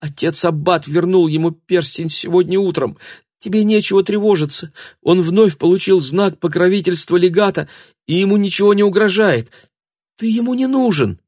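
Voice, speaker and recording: A man's voice: sits high, normal speed, a little mellow, no echo, clean studio sound, voice pushed up. A man voicing a young girl who pleads tearfully and breathlessly, reading an audiobook. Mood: anxious.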